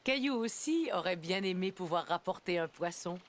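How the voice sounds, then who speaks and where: A woman narrating a French children's cartoon in a gentle storybook tone. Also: lowish voice, lively intonation, normal speed, slight background noise. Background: background music.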